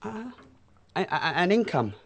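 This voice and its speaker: An actor playing a nervous, fawning young rogue who stammers and flatters, in a radio drama. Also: male voice, high voice, a little slow, gravelly, husky, full character voice. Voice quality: stammering, obsequious.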